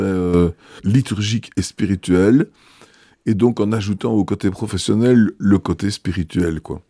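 Low, mellow man, hesitant. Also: no echo, clean studio sound. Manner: measured, hesitant, many fillers and restarts. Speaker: bishop being interviewed. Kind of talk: unscripted interview answers.

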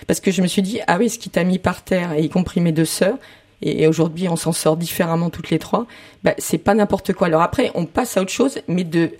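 A woman's voice: fairly low pitch, fairly quick, darkish tone. Hesitant woman in her fifties, testifying. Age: 50s. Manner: hesitant, many fillers and restarts, grows more emphatic. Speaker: guest sharing a testimony. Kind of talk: personal testimony on a discussion panel.

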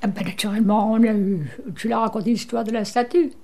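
Older woman, from Brittany, radio guest, lively storyteller. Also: on the high side, quick pace. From Brittany, France. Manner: lively storyteller, chatty and animated. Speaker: guest, returned emigrant. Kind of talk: radio interview chat.

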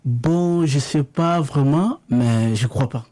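A man from DR Congo whose first language is Lingala, a radio guest explaining a home recipe in a halting way with many restarts. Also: medium pitch, mellow, no echo. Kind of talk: radio interview, casual explaining.

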